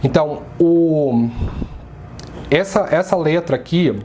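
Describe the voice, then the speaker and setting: Man, astrology teacher, slow deliberate delivery, mellow tone, faint background noise. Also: fairly high pitch. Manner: slow, careful pronunciation drills. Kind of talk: introductory lesson.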